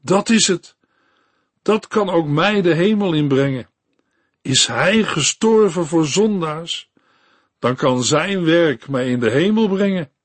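A man's voice: fairly high pitch, animated, slow, no echo, pitched above the performer's own voice. A man voicing a poor dying woman who desperately asks how to get into heaven. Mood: relieved. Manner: desperate, crying out.

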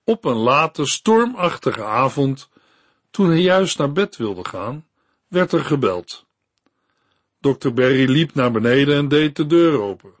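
A man narrating a Christian story in a calm, measured reading voice. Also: medium pitch, no echo. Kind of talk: read-aloud Christian story.

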